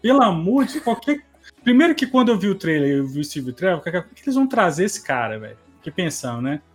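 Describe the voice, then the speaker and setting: A man's voice: high voice, big pitch swings, fast talker, breathy edge, soft background music. A man with a Brazilian accent chatting in a podcast, exasperated and full of slang. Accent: Brazilian Portuguese. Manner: exasperated, repeats "velho". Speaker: podcast co-host. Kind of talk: casual podcast chat.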